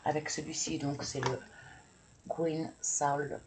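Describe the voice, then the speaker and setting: A woman's voice: sits low, level tone, takes it slowly, heavy background noise. A woman doing a casual card-reading video, hesitant and stammering as she thinks aloud. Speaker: tarot and oracle card reader.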